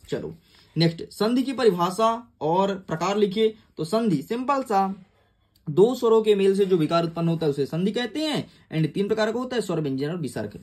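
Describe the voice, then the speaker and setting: A young male tutor walks students through exam answers in a loose, friendly manner. His voice sits a little higher than most men's, and he keeps addressing the class like buddies. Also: darkish tone, slightly rough. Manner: chatty, calls students "yaar" and "bhai". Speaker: teacher. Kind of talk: casual exam-prep lesson.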